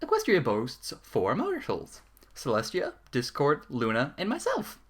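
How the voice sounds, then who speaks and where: A man's voice: medium pitch, huge pitch swings, unhurried. A man giving a dramatic, formal reading of a fan fiction letter as narrator, with the odd stumble.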